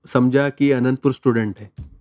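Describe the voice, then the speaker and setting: A man tells his own story as an interview guest. His voice is mellow and relaxed, and he talks earnestly, slipping English words into his speech. The recording is dry and close. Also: medium pitch, moderate pace, dry recording. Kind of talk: conversational personal testimony.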